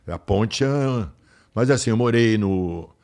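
Chatty man, low voice. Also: measured pace, gravelly. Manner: warm, rambling, affectionate storyteller with frequent restarts. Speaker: guest. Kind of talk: casual interview chat.

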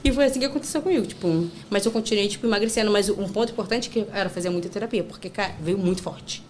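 Fast-talking chatty woman guest. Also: medium pitch, slight background noise. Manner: chatty storytelling full of fillers; breaks into laughter and acts out quotes. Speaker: podcast guest, content creator. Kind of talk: casual chat.

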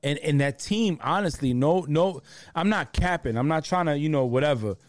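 A man hosting a casual sports chat, talking in an animated, slangy way and often repeating words. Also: on the high side, moderate pace, no echo. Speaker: podcast host.

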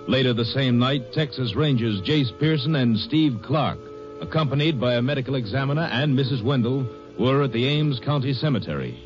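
A man's voice: medium pitch, natural voice. A man reading scripted narration in the style of a 1950s radio drama, on an old recording. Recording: muffled old radio recording over music. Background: music.

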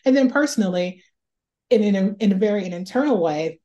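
A woman's voice: mid-range voice, expressive, brisk, dark tone, muffled recording. A woman from Northeast Ohio, an author talking through her writing life in a reflective interview, often repeating words as she thinks aloud. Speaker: author guest.

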